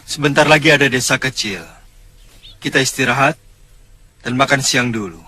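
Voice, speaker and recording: Bright-voiced lord leading a journey, brisk and sure, radio play figure. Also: male voice, medium pitch. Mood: calm. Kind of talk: radio drama acting.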